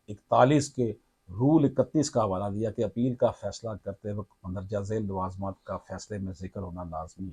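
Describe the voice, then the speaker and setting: A man with a Pakistani Urdu accent, a lawyer, explains a court ruling in a formal, measured way and keeps addressing his viewers. His voice is low and husky. The sound is dry and close, with no room in it. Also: darkish tone, dry recording.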